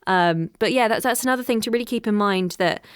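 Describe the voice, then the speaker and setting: A woman voice actor speaking candidly as a podcast guest, animated and quick to laugh. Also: medium pitch, smooth, dry recording, clean studio sound. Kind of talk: conversational interview.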